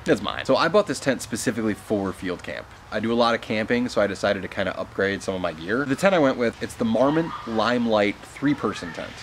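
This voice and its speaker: A man's voice: fairly low pitch, animated, fairly quick, few pauses, slight background noise. A young man in his twenties giving practical camping advice outdoors by a tent, plain and matter-of-fact with dry asides. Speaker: student vlogger. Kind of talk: casual advice chat.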